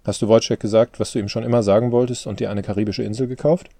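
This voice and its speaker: A man with a low, gravelly voice playing a wry older father who teases his son and answers questions with questions, read from a storybook. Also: steady tone, fast talker, mellow, no room sound. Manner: dry, mocking, asks questions back.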